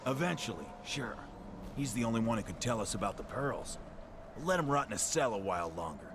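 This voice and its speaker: A man's voice: medium pitch, animated, a little fast, close to an everyday voice. An actor playing a callous male gang criminal in a video game, dry and sarcastic. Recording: loud outdoor ambient noise.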